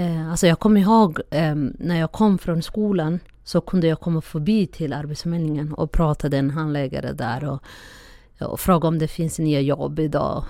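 With a Somali accent, a woman speaks at a moderate pace in a very deep, low pitch, her dark, mellow tone showing ordinary pitch variation. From Somalia. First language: Somali (speaking Swedish). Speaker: health scientist and community activist. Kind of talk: interview. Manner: halting.

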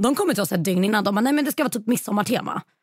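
The voice is somewhat breathy, with very wide pitch swings. The sound is dry and close with no echo, on a very clean recording with a silent background. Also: woman. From Stockholm, Sweden. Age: 20s. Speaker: reality TV personality and influencer. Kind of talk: casual chat. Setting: studio.

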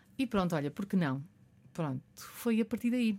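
On a very clean recording with a silent background, a woman with a dark, mellow, somewhat breathy tone speaks at a moderate pace with lively intonation. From Portugal, Porto. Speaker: former TV journalist and presenter, author. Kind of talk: radio interview. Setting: radio studio.

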